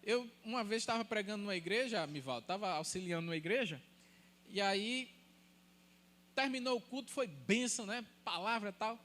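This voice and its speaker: A man preaches with a light, thin voice. His pitch swings widely as he poses questions to the congregation and answers them himself. He trades jokes with the congregation as he goes. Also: lively intonation, a little fast, fairly bright tone. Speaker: pastor. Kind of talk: sermon.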